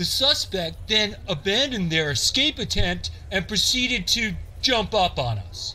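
A man puts on a whiny character voice, raised and projected, at a moderate pace, with clear background noise behind him. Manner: officious, then whiny.

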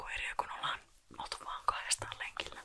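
Whispering, a woman speaks at a fairly slow pace. Her tone is relaxed. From Finland. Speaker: ASMR artist. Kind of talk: whispered ASMR casual talk to camera. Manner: soft-spoken, relaxed. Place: home room. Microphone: studio mic.

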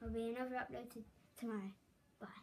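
A woman with a high pitch and a dark, mellow tone, flat and monotone in intonation, over light background noise. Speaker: video game YouTuber. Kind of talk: casual gaming commentary. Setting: gameplay recording voiceover. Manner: rambling, halting, filler-heavy. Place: home room. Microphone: phone near.

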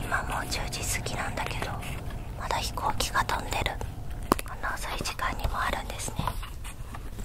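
A woman whispers in a soft-spoken way. Loud background noise surrounds her. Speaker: ASMR creator. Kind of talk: soft ASMR haul chat. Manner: sleepy soft whisper. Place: home room. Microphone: handheld.

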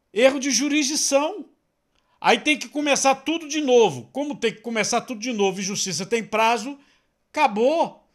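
On a very clean recording with a silent background, a man speaks in an extremely high pitch with an animated tone, ordinary pitch variation, big swings in loudness and a moderate pace. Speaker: online news commentator. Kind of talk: opinion commentary.

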